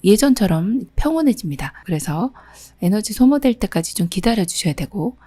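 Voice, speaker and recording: A woman's voice: mid-range voice, animated, normal speed, warm tone, breathy edge, dry recording. A middle-aged woman instructor reads out exam questions and patiently explains each answer. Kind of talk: exam question walkthrough lesson.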